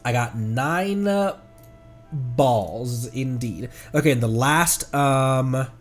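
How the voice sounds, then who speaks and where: A man's voice: medium pitch, very slow. A man giving casual live gameplay commentary as a streamer, chatty and thinking aloud. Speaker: video game streamer. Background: faint game music.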